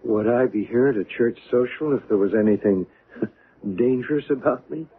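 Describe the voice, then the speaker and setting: Actor playing a mysterious little man, earnest and insistent, creaky voice, old radio drama, tinny sound. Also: mid-range voice, moderate pace, slight background noise, close to an everyday voice. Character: short mysterious male stranger, earnest, smooth-mannered and insistent. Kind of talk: 1970s radio drama acting.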